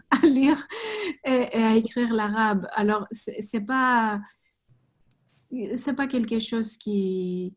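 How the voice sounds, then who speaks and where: A woman calligrapher answering questions on a video call, halting and often repeating words while she thinks. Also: mid-range voice, darkish tone. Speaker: guest calligrapher and teacher. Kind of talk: answering questions in an online talk.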